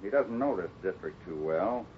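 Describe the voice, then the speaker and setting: A man playing a steady, fatherly cowboy ranch boss in a 1950s radio serial, firm and plain-spoken as he takes charge. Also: deep voice, moderate pace. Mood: businesslike. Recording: muffled, noisy old radio recording.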